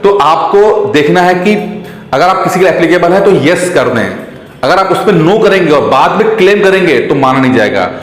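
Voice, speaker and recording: A man's voice: fairly high pitch, expressive, moderate pace. A man teaching exam aspirants, chatty and repetitive, mixing English terms into his talk. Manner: chatty, repeats points, mixes English terms into Hindi. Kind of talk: explaining exam rules to students. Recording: echoey room with long reverb.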